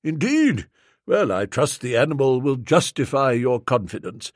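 A man's voice: mid-range voice, very animated, moderate pace, no echo, clean studio sound. A man voicing a stout, pompous elderly lord who speaks in stiff, formal, long-winded sentences. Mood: stately.

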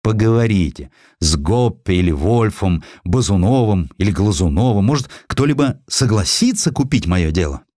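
Man acting a gloomy, grumbling publisher, animated. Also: lowish voice, normal speed, no echo, clean studio sound. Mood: aggrieved, worried. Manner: complaining, plaintive. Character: gloomy, grumbling male publisher fretting over lost money.

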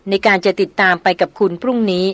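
Woman voicing a young noblewoman, soft coaxing manner, sharp-tongued, storybook reading, dry close sound. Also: fast talker, dry recording, natural voice. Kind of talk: audiobook novel reading.

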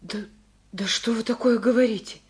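An actress playing a worried young adult daughter who speaks softly and pleadingly. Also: female voice, a little high, normal speed, natural voice. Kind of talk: archival Soviet radio play acting.

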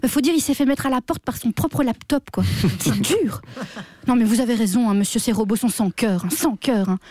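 A woman playing a chatty job-center clerk who talks to an unheard caller, slightly hoarse and full of fillers. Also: on the high side, normal speed, dark tone, no room sound, natural voice. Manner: gossipy, talks to an unheard caller, constant "hein". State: a little hoarse. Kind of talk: comedy sketch on radio.

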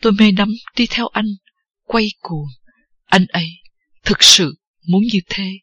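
An audiobook narrator reading a first-person novel at a steady, unhurried pace. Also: medium pitch, husky, dry recording, muffled recording.

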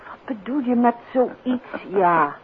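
An inquisitive detective's wife, muffled vintage sound. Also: female voice, on the high side, expressive, slow. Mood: curious, teasing. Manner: probing, wryly teasing. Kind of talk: 1950s Dutch radio drama acting. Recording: muffled, noisy 1950s radio recording.

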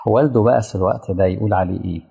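A low-voiced, gravelly Egyptian preacher talks at a fast clip and keeps asking his listeners whether they follow him. His dark, husky tone rings out with a long tail of hall echo. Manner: engaging, asks the audience rhetorical questions. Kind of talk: colloquial religious lecture with storytelling. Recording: reverberant hall sound.

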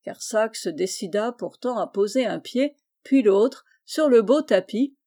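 A woman narrating a classic children's novel as an audiobook, with steady, measured reading. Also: mid-range voice. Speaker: audiobook reader. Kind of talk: scripted narration.

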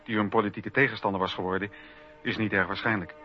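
A man narrating a scripted radio documentary in a measured, formal storytelling manner on a lo-fi recording. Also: fairly low pitch, steady tone, over loud music.

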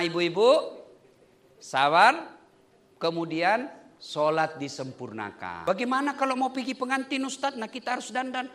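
A man preaching a humorous sermon on marriage. His voice sits high and swoops widely as he jokes with the congregation. The tone is bright and sharp. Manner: joking, lively delivery with playful asides to the congregation.

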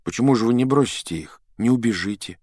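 A man voicing a polite, anxious teenage boy wizard in an audiobook, speaking in hushed, urgent, apologetic tones. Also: medium pitch, fast, husky, dry recording, studio quality, faint music behind, pitched above the performer's own voice, close to an everyday voice. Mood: earnest. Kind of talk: audiobook character voice.

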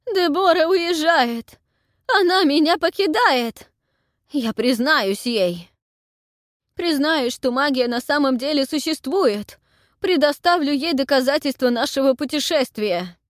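Woman reading as panicky lovestruck old historian, high, loud, dragged-out pleas. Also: animated, unhurried, dry recording, studio quality. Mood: panicked wailing. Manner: wailing, breathless pleading. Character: frantic elderly male historian, lovestruck and excitable.

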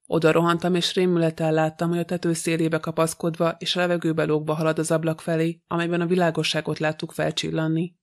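A man reading a novel aloud as a narrator, in a very flat, even delivery. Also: on the high side. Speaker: audiobook narrator. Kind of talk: scripted narration.

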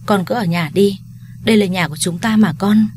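A woman's voice: medium pitch, a little fast, darkish tone, slight background noise, lightly acted. A woman voicing a tender, worried mother. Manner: pleading, tender, insistent. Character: anxious loving middle-aged mother.

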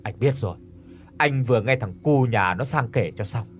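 A man voicing a gruff older village exorcist who gives blunt orders. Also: medium pitch, expressive, moderate pace, lightly acted. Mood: commanding. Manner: blunt, commanding.

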